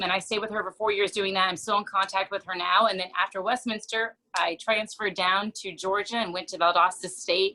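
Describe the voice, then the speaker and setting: A woman's voice: medium pitch, pushed and bright, poor audio. A woman in her thirties from New Jersey, a music teacher chatting casually in an interview, with a tired, worn voice and lots of ums.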